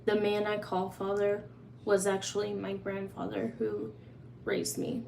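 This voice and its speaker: A woman's voice: mid-range voice, monotone, unhurried, gravelly, dark tone, a little hiss or hum. Chatty woman hosting a live Q&A. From Oklahoma. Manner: chatty, open, answers viewers' questions. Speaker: livestream host. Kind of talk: casual live Q&A. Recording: echoey room, faint ambience.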